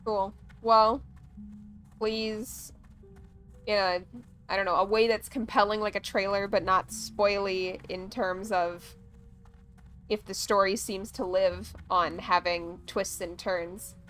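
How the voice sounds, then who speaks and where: A woman's voice: mid-range voice, steady tone, slow, fairly bright tone, soft background music. A woman chatting casually on a gaming livestream, rambling along with plenty of "like" and "um". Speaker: streamer.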